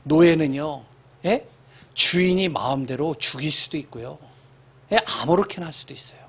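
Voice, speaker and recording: A male pastor with a Seoul accent preaches in a church, his voice pitched somewhat high. He acts out conversations in a raised voice. He drops suddenly into hushed, nearly whispered lines. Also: normal speed, breathy edge. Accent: Seoul Korean. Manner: swings from loud exclamations to hushed, whispered lines; acts out dialogue with children in a raised voice. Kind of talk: sermon. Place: church sanctuary.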